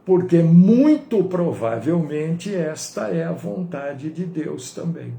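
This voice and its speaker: A male pastor preaching with a high, very lively voice that rises and falls widely. He talks slowly, and his tone is mellow rather than bright. The room is roomy and echoey, with a faint ambience behind him. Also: vocal fry, slight background noise. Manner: animated preaching, swinging from high to low. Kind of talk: sermon.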